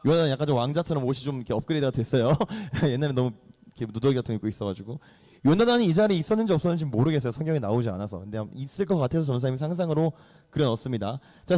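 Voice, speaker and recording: A man preaching a lively Bible story sermon to young listeners, acting out the characters and quizzing his audience. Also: high-pitched. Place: church hall. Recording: long hall reverb.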